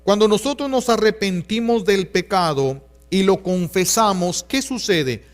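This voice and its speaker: Man, Catholic priest, Mexican Spanish accent, earnest pastoral sermon, high voice, repeats phrases for emphasis. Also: unhurried.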